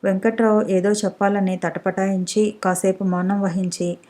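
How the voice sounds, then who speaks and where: Mellow, even-toned woman narrator. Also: medium pitch, normal speed. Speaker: audiobook narrator. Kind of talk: scripted narration.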